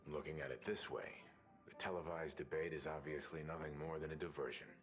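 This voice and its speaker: A serious, analytical game companion. His extremely deep voice is measured and calm, with music clearly underneath. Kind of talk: scripted game dialogue.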